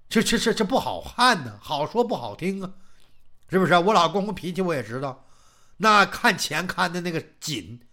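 A storyteller voicing a young widowed daughter-in-law who speaks gently and respectfully to her mother-in-law. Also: medium pitch, sing-song, moderate pace. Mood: worried.

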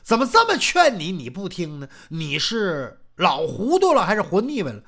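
A man's voice: sits high, huge pitch swings, moderate pace, sharp tone, heavily acted. A man voicing a cocky male Taoist bandit leader who swaggers and makes threats. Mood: menacing swagger.

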